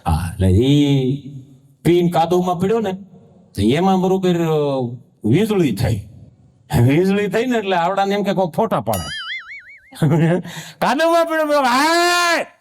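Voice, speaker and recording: A man doing stand-up, animated and often calling the audience "saheb". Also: sits high, a little slow, long pauses. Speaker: stand-up comedian. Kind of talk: stand-up joke telling.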